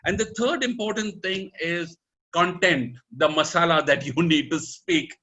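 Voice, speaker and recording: A man's voice: unhurried, bright, forceful tone. A man in his fifties with an Indian English accent, giving an emphatic motivational talk on public speaking and mixing in Hindi words. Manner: emphatic, swings voice high and low, sprinkles Hindi words.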